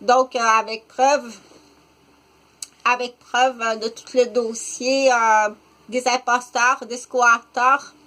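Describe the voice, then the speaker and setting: A woman in her fifties with a Québécois French accent, talking unscripted to the camera in a rambling, halting way, full of fillers and restarts. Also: on the high side, flat delivery, sharp tone. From Quebec, Canada. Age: 50s. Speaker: vlogger.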